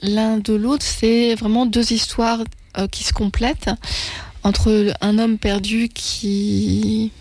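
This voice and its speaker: A woman's voice: medium pitch, little pitch movement, slow pace, darkish tone, no room sound. A woman reviewing comics in casual radio chat, hesitant, with many restarts and fillers.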